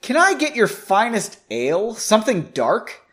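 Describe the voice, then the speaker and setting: Cheeky young guy mage, glib and teasing, pitch jumping around, read by a narrator. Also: huge pitch swings, measured pace, fairly bright tone.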